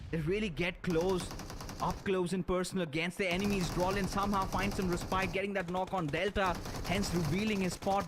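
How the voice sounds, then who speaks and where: A man giving excited play-by-play esports commentary as a caster, with dramatic, emphatic delivery. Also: sits high. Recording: clear background noise, game gunfire. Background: video game gunfire.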